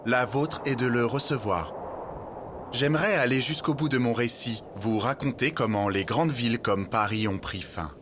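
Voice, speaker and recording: A man playing a polite robot guide in an audio documentary drama, speaking in a measured, formal way over music. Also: mid-range voice, natural voice. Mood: solemn, earnest. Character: polite, earnest male robot guide recounting humanity's end. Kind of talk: scripted documentary fiction narration. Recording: music bed behind the voice.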